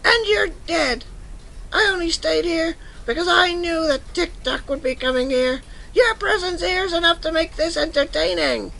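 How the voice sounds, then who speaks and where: Wicked, vain young-royal villainess for fantasy audio play; extremely high, sharp voice, theatrical menace. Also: female voice, moderate pace, vocal fry, heavily acted, low-quality recording. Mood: menacing. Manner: gloating, threatening, theatrical. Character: evil vain scheming princess wearing a wicked witch's head. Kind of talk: audio drama acting.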